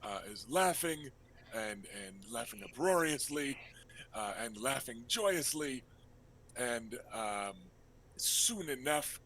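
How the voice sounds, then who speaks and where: Bright-voiced man running a tabletop game. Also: medium pitch, sing-song, takes it slowly, a little hiss or hum. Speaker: game master. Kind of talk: improvised narration of a tabletop role-playing game.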